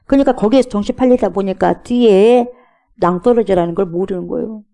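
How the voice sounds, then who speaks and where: A woman's voice: mid-range voice, fairly quick, dark tone. A middle-aged woman pastor preaching a sermon, telling a story and acting out its characters' lines, sometimes dropping to a whisper.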